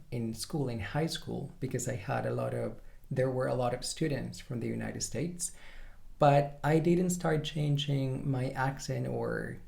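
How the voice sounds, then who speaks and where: A young man from Chile with a Chilean Spanish accent, a pronunciation coach telling his own story in a relaxed way, with small restarts. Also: mid-range voice, vocal fry. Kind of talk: casual personal story to camera.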